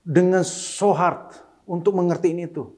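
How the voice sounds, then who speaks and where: A middle-aged man speaking as an interview guest, a single father, talking casually and mixing in English phrases, animated when he quotes his children. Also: high-pitched, normal speed.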